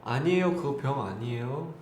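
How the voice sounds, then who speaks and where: A man's voice: medium pitch, expressive, moderate pace, darkish tone. Young man chatting in a very echoey room. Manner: chatty, laughing, polite speech. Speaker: idol hosting a live stream. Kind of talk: casual live-stream chat with fans. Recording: very echoey room with clear background noise.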